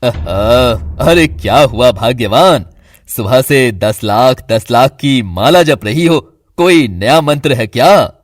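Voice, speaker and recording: A man's voice: medium pitch, animated, slow, dry recording. A man playing a wisecracking easygoing father-in-law. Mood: joking. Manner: teasing, wisecracking. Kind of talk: animated cartoon voice acting.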